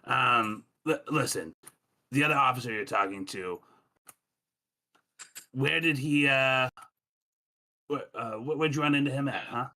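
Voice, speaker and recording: A man's voice: mid-range voice, a little slow, pauses often, sharp tone, voice pushed up. A man playing a brusque, condescending male safety inspector who blusters and talks down, with frequent ums. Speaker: player. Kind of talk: tabletop game role-play.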